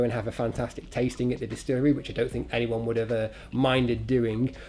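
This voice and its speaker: Somewhat breathy, a man with a British accent speaks fairly quickly in a dark, mellow tone. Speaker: whisky investment presenter. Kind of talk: casual talk to camera.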